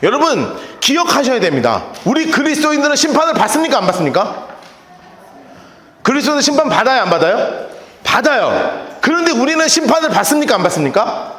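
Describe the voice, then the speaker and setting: A man's voice: extremely high pitch, fairly quick. A man preaching a Bible-study sermon who keeps questioning his congregation and joking with them. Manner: asks the congregation frequent call-and-response questions; animated and joking. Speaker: pastor. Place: church sanctuary. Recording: echoey church hall reverb.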